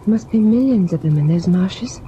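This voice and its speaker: Woman acting mellow, muffled radio-drama young wife. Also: medium pitch, expressive, fairly quick, lightly acted. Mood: wistful, playful. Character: uneasy, childlike young wife, affectionate and whimsical. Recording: muffled old radio recording, faint noise.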